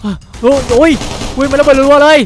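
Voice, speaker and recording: A man improvising dramatic game roleplay, excitable, repeating words rapidly and shouting warnings. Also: very high-pitched. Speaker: player acting in a Minecraft roleplay cartoon. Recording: loud background music. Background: music.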